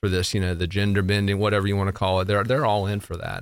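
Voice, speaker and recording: A man's fairly low voice with an American accent on a very clean recording with a silent background. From South Carolina Pee Dee, Midlands. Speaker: news website founder. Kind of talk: interview.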